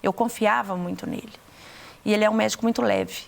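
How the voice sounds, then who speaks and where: A middle-aged woman with a Brazilian Portuguese accent, telling her faith testimony to an interviewer, earnest and halting, often repeating words. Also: mid-range voice, fairly even intonation, creaky. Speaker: interview guest giving testimony.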